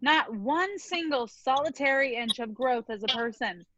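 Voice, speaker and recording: A woman playing a blunt, exasperated mother with a deadpan, weary delivery in a sketch comedy reading. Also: high voice, moderate pace, muffled recording. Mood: dismissive. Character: exasperated, blunt, dismissive mom of two. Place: remote virtual reading.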